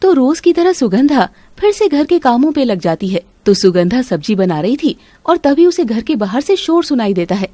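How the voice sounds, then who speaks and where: A woman narrates a storybook cartoon in a high, lively voice that rises and falls a lot. She tells the story plainly and clearly, explaining what happens. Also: moderate pace, few pauses, dry recording.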